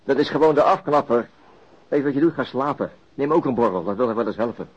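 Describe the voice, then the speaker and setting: An actor playing a pensive, plain-spoken police detective in a radio drama, understated and conversational. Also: male voice, mid-range voice, animated, fast, lightly acted. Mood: reassuring. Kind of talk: naturalistic radio drama dialogue. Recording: muffled radio drama recording, clear background noise.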